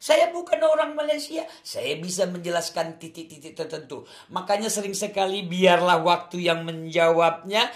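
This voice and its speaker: Man, Acehnese accent, emphatic testimony, slightly high voice, echoey room. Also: expressive, normal speed, hardly any pauses. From Aceh, Indonesia. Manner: earnest, emphatic, repeats his points. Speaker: guest testifying about his faith. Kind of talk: casual testimony interview.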